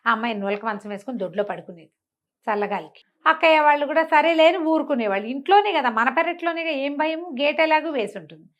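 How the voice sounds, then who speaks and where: A woman telling a comic folk tale in an animated, conversational way, often repeating phrases. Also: high-pitched, fast talker, muffled recording. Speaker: storyteller.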